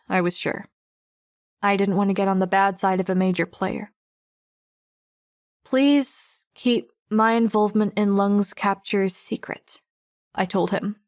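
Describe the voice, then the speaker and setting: A woman playing a weary, guarded teenage girl superhero who narrates her own story in a measured, introspective audiobook style. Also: mid-range voice, no echo, studio quality, natural voice. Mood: weary, reflective, then reluctant. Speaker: narrator and lead voice actor. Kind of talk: first-person audiobook narration.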